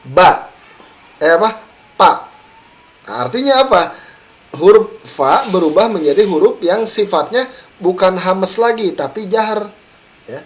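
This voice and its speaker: A man teaching a tajwid lesson, modelling letter sounds and tagging his points with a checking "ya". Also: high voice. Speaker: Quran recitation teacher.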